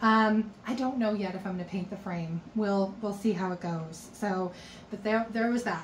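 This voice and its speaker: This woman has a medium-pitched voice and fairly even intonation. The room's echo is audible. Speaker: shop owner and thrift vlogger. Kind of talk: casual haul vlog.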